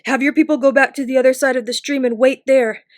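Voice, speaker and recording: A woman's voice: high-pitched, fairly even intonation, fast, no room sound, clean studio sound, close to an everyday voice. A woman voicing an anxious young male hero who speaks urgently and pleads.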